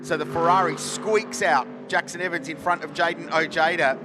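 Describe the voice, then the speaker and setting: A man's voice: fairly high pitch, fairly even intonation, moderate pace. A man giving live race commentary as a motorsport commentator. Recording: loud trackside car and engine noise. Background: race cars and outdoor ambience.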